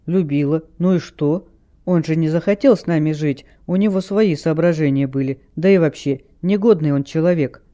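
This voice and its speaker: A man's voice: on the high side, normal speed, warm tone, natural voice. A man voicing a blunt, hard-hearted single mother who speaks curtly and dismissively.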